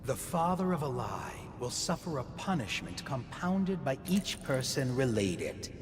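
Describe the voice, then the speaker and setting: Zealot preacher in a game: solemn and declaiming, in a long reverb with music behind him. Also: male voice, medium pitch, big pitch swings, a little slow. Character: stern zealous male preacher reciting doctrine.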